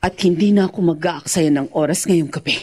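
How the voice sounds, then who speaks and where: A woman's voice: on the low side, brisk, darkish tone, natural voice. A woman playing an arrogant, murderous black-magic sorceress in a radio horror drama, theatrical and haughty. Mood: gloating, menacing. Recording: dramatic music behind the voice.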